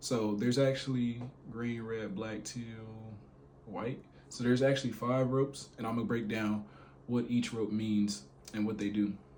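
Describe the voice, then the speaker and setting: A man mumbling at a moderate pace, with long, frequent pauses, fairly even intonation and audible room echo. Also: medium pitch for a man. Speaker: Air Force trainee vlogger. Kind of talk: casual vlog monologue. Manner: unscripted, rambling, mumbling.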